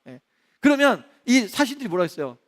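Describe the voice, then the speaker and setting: A male pastor preaching a sermon in a church, animated, acting out the voices he quotes. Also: very high-pitched, fairly quick. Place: church sanctuary. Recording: long reverb of a church hall.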